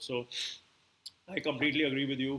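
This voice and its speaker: At a fairly quick pace, a man speaks with a fairly high pitch and a bright, sharp tone. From India, Punjabi. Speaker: dating coach. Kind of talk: live stream Q&A. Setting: live stream.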